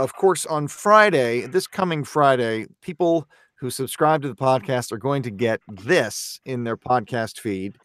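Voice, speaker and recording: A man hosting a podcast, relaxed and joking as he wraps up in casual chat. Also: medium pitch, clean tone. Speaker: podcast host. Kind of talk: casual chat, wrapping up show.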